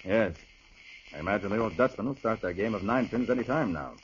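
An actor playing a calm, confident male detective in a 1940s radio drama, explaining clues in an assured manner. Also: on the low side, a little fast, slight background noise, close to an everyday voice. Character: cool-headed male detective, middle-aged, confident. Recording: muffled old radio broadcast.

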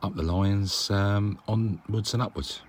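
A man's voice: fairly low pitch, a little slow, slight background noise. A man leaving a casual, rambling voice message as a caller to a fan show. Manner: relaxed, chatty, hesitant with many ums. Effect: recorded voice message.

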